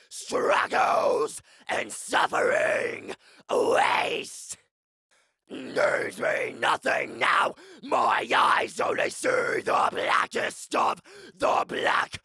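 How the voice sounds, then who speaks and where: Deep rasping metal scream growl. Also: male voice, a bit bright, exaggerated voice. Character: menacing, anguished male metal screamer. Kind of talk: extreme metal vocal screaming demonstration.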